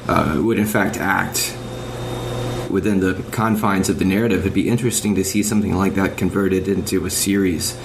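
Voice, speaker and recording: A man talking casually as a podcast panelist about games, explaining things in measured, articulate phrases. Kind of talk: casual video game discussion. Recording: noisy low-quality online voice chat.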